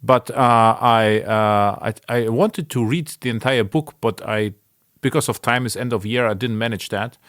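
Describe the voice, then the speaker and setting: A man's voice: mid-range voice, moderate pace, fairly bright tone, no echo. Male podcast host, dry close sound. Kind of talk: casual interview chat.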